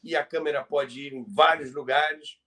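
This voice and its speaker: A man's voice: fairly high pitch, steady tone, moderate pace, bright, forceful tone. A Brazilian man telling radio history conversationally as a podcast presenter, explaining things emphatically and repeating key phrases for effect.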